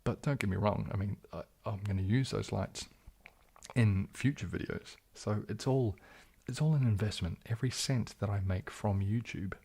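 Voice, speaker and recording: A young man hosting a casual livestream Q&A, soft-spoken and often slipping into a whisper. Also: lowish voice, moderate pace, gravelly, slightly rough. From New Zealand. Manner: soft-spoken, drifting into whispers, frequent restarts. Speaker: ASMR livestream host.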